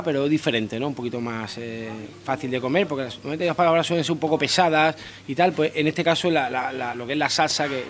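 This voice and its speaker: A man in his thirties, a chef, answering interview questions in a restaurant dining room into a handheld mic, often repeating words and restarting. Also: medium pitch. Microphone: handheld interviewer mic held close.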